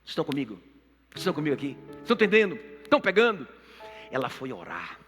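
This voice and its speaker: A pastor preaching with lively storytelling, turning to his listeners again and again. His voice is bright and sharp, swinging widely in pitch. It rings through a church hall with a long reverb and faint music behind. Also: racing. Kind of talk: sermon.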